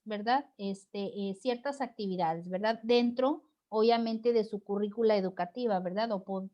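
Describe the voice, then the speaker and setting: Woman teacher on a video call. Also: mid-range voice. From Mexico. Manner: encouraging, frequent "¿verdad?" tag questions. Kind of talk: online class discussion.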